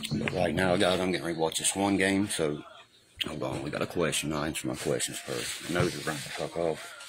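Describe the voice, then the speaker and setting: Against noticeable background noise, a man with a very deep, low pitch and ordinary pitch variation speaks at a very fast pace. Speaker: livestreamer. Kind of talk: casual livestream rant. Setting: Facebook live stream. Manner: rambling, profane.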